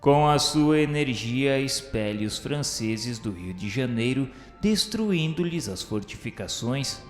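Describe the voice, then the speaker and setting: Male narrator, for a historical radio drama: solemn, measured, declamatory read, heavy echo over a music bed. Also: mid-range voice, lively intonation. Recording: reverberant echoey hall sound with music.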